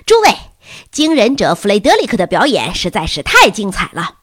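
Brief: loud, cocky boy emcee, big announcing voice; woman narrator putting it on. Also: wildly swooping pitch, fairly quick, breathy edge, dry recording, clean studio sound. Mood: showy. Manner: booming showman announcing. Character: brash loud male show host, a schoolboy.

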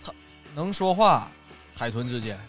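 A man hosting a casual chat, telling a story with loud exclamations. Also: medium pitch, very animated, unhurried, soft background music. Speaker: host.

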